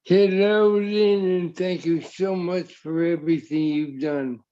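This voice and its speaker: A man's voice: sits high, fairly even intonation, slow pace, dark tone, muffled recording. A man giving an earnest, emotional testimonial on a call, repeating his words with spiritual phrasing. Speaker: community member speaking on a call.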